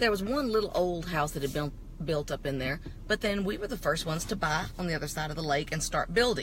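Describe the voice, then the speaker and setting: The speaker talks at a fairly quick pace in an animated tone with lively intonation, with audible room echo. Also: woman. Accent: East Texas. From East Texas. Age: 50s. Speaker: social media speaker and entrepreneur. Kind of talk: casual vlog storytelling. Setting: in a car.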